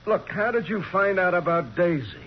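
An actor playing a blunt, impatient police sergeant in a 1940s radio drama, with an American accent. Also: male voice, high-pitched, very animated, normal speed. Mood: demanding. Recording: muffled, noisy 1940s radio recording.

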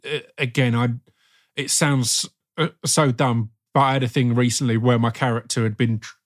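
A man's voice: mid-range voice, steady tone, normal speed. A man with a stammer who repeats sounds and words, talking casually and earnestly as an actor hosting an interview.

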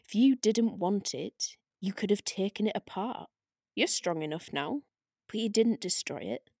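A woman playing a taunting disembodied spirit in an audio drama table read, with a drawn-out, needling delivery. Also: medium pitch, lively intonation, darkish tone, breathy edge, dry recording, clean studio sound. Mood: coolly persuasive. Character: taunting disembodied arcane spirit, silky and provoking.

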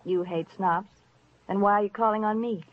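A woman's voice: mid-range voice, fairly even intonation, normal speed, close to an everyday voice. An actress playing a cool, teasing sophisticated woman with a coy, languid manner, in 1940s radio acting. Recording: dull lo-fi old radio recording.

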